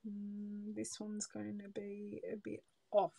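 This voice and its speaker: Slow-talking Australian woman crafting. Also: mid-range voice, monotone, creaky, dark tone. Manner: chatty, thinks aloud, drops to murmurs while working. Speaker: card-making demonstrator. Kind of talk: casual crafting livestream chat. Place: craft table indoors, overhead camera on hands.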